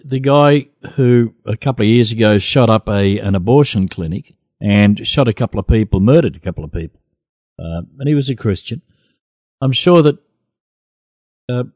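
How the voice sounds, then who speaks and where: Sardonic man, mid-pitched and dry-sounding. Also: darkish tone, no room sound. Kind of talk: conversational religious discussion.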